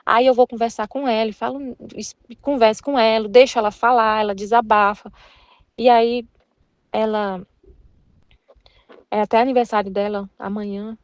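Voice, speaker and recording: Brazilian woman, earnest faith teacher, casual and repetitive; higher voice, dry sound. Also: fairly even intonation, moderate pace, pauses often, clear, resonant tone, no room sound, lo-fi sound. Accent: Brazilian Portuguese. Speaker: Catholic study leader.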